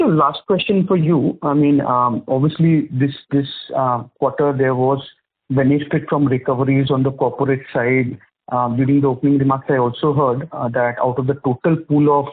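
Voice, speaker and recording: An Indian-accented man asking questions as an analyst on an earnings call, phrasing them in a hesitant, roundabout way. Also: slightly rough. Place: telephone conference call. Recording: muffled, low-fi conference phone line.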